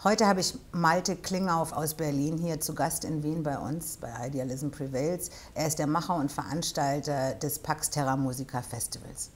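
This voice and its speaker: Woman host with a low voice, welcoming, steering the interview with questions. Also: fairly even intonation, normal speed, hardly any pauses, slight background noise. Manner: welcoming, asks many questions. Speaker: talk show host. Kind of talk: hosting an interview. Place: small studio set with armchairs.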